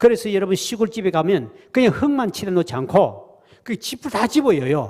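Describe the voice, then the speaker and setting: A man at a high pitch, moderate pace and very wide pitch swings. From rural Korea. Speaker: senior pastor. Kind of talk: sermon. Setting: church.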